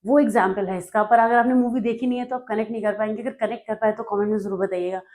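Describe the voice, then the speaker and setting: A woman's voice: medium pitch, fairly even intonation, rapid-fire, darkish tone. A woman from North India, working as a tutor, explains study notes in a conversational way and often checks in with her listeners.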